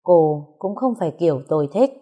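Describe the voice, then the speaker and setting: A woman voicing a cold, aloof young husband who speaks curtly and flatly. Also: on the low side, brisk. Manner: cold, curt, flat.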